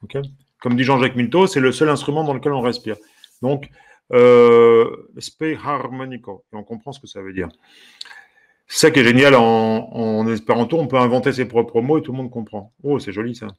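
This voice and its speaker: A man, a harmonica teacher, giving casual commentary as he browses, curious and amused, musing aloud with soft exclamations. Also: mid-range voice, normal speed.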